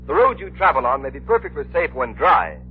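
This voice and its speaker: A man announces and reads a persuasive commercial in 1930s radio style, emphatic and convincing. His medium-pitched voice is sing-song and brisk. The tinny 1930s radio recording carries slight background noise.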